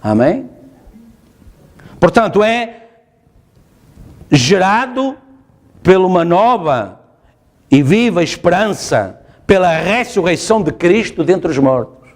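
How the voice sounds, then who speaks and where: A man's voice: high voice, sing-song, takes it slowly, pauses often. A male pastor with a European Portuguese accent, preaching emphatically and repeating his phrases. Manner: emphatic, repeats phrases, asks the congregation "está a ver?". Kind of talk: sermon. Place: church.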